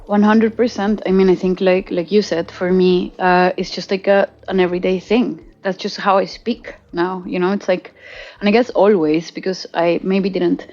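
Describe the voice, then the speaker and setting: A woman's voice: fairly low pitch, little pitch movement, normal speed, a little mellow, dull audio, faint music behind. A woman from Colombia, a musician and native Spanish speaker, chatting casually in an interview and laughing easily. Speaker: musician guest.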